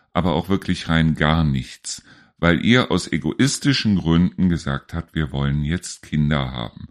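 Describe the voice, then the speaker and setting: Very deep, low male voice at a fairly slow pace, on a very clean recording with a silent background. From Lower Rhine, Germany (Neuss). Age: 50s. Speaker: internet radio host. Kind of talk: solo commentary monologue. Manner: casual, rambling with fillers.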